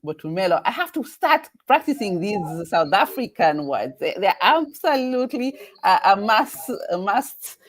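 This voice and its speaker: A woman with a Kenyan accent hosting a live webinar over a video call. She talks haltingly, with many fillers and restarts. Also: mid-range voice, very animated. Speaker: event host.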